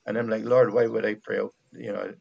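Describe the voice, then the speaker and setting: A man from Barbados with a Bajan accent, speaking as a missionary guest in a casual faith conversation, reflective and halting with many restarts. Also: lowish voice, flat delivery, creaky, darkish tone, breathy edge, muffled recording.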